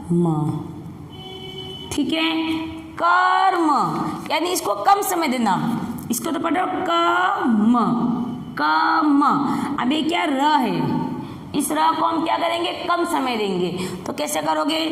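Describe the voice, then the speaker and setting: A woman teaching Hindi to young children in an online class, coaxing them along and stretching out words slowly, with a Rajasthani Hindi accent. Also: high-pitched, creaky, fairly bright tone. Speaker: primary school Hindi teacher. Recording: echoey room with long reverb.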